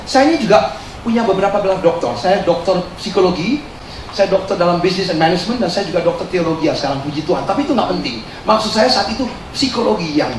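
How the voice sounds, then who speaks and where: A man pastor preaching a lively sermon, laughing often and slipping English phrases in. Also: high-pitched, quick pace. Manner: animated, laughing, mixing in English. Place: large church hall. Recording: echoey hall, distant mic, audience noise.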